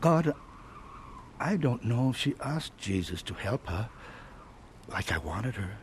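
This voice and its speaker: An actor playing a grieving, gentle gypsy father in a radio drama, speaking haltingly. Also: mid-range voice, sing-song, a little hiss or hum. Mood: hesitant, solemn. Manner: hesitant, halting.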